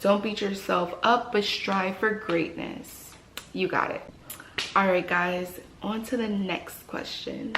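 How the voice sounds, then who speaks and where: Chatty dental hygienist woman, gravelly tone. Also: mid-range voice, sing-song, slow pace, fairly bright tone. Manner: encouraging, chatty, repeats phrases for emphasis. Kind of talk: casual advice vlog. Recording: echoey room with faint noise.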